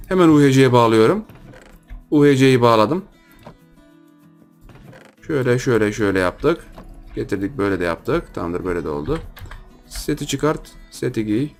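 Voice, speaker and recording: A young man giving jokey, excitable Minecraft gameplay commentary, talking to viewers and teasing his opponents. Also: mid-range voice. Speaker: gaming YouTuber.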